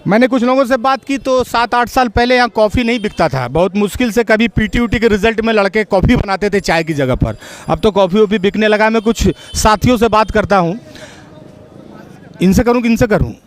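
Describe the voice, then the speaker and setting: A man hosting a street interview outdoors, talking in a lively, speechlike way. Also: high voice, a little fast.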